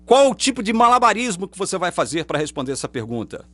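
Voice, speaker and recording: An online preacher with a Brazilian Portuguese accent delivers a combative religious monologue to camera, packed with rhetorical questions. His voice is high, very animated and fast, with no room sound. It's captured on a webcam or phone facing him.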